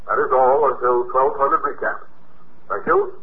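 Formal, tinny intercom announcer. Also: male voice, mid-range voice, fairly even intonation, a little slow. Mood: official. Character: formal public-address news announcer at a school. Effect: intercom loudspeaker. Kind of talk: formal 1950s radio announcement. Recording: tinny, noisy old radio recording.

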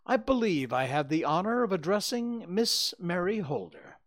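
A man reading aloud, voicing a calm, shrewd male detective who asks precise questions. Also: sits high, moderate pace, voice pushed up. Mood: probing.

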